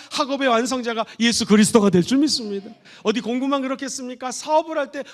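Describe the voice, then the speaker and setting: A male pastor preaches with real fervor in a church sanctuary. His voice sits very high for a man, and he climbs into shouted calls to the congregation. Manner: fervent preaching, rising to shouted exhortations. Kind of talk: Easter sermon.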